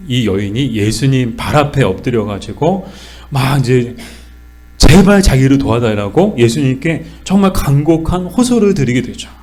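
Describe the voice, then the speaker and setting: Middle-aged guy teaching bible study at church, asks and answers himself, low hum behind. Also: a little mellow. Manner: explains with questions and answers, acts out quoted lines.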